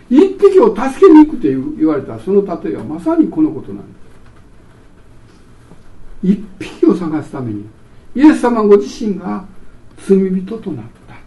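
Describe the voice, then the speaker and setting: Man, pastor, sermon, lively swinging pitch, echoey church hall from far off. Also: highs cut off. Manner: animated storytelling, acts out scenes. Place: church sanctuary.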